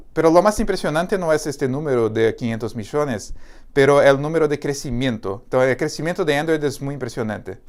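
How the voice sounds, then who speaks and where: Brazilian man in halting Spanish. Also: medium pitch, clean tone. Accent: Brazilian Portuguese. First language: Portuguese. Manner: halting, many fillers and restarts. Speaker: developer advocate. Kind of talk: live tech talk. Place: company studio.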